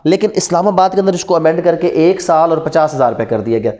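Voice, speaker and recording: With lively intonation and a fast pace, a man in his thirties with a Pakistani accent teaches law in a slightly high, a little mellow voice. His classroom lecture at the whiteboard mixes Urdu and English terms, full of rhetorical questions and repeated key terms.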